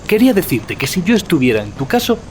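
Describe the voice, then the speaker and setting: Casting: earnest young student, secretive and anxious, highish swooping voice, audio drama with noisy ambience. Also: male voice, big pitch swings, fast, a little mellow, soft background music. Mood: cordial, uneasy.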